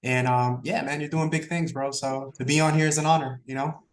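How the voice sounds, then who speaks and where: A man, a Spanish speaker, talking as an interview guest in a relaxed, rambling way full of fillers. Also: medium pitch, a little fast, roomy sound, slight background noise. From Brooklyn, New York. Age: 30s. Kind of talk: casual interview talk.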